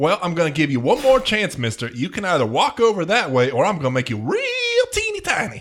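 Amid noticeable background noise, a man with a high pitch talks at a fairly quick pace with very wide pitch swings and hardly any pauses. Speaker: podcast co-host, player. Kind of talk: tabletop roleplaying game session, casual.

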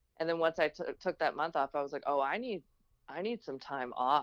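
A woman with a Western Canadian accent and ordinary pitch variation, against a quiet background. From Canada, British Columbia (Nanaimo). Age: 30s. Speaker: professional wrestler. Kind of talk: casual interview chat.

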